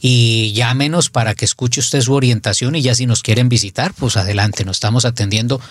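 A middle-aged man, a spiritual advisor, talking casually on radio with halting restarts. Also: medium pitch, fairly even intonation, no room sound, studio quality.

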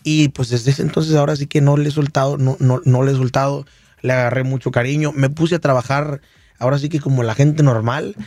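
A man's voice: medium pitch, fairly even intonation, fairly quick, a little mellow, no echo. A man with a Michoacán Mexican accent, a singer telling his story in a casual radio interview, rambling with many fillers and restarts. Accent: Michoacán Mexican Spanish. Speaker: singer guest.

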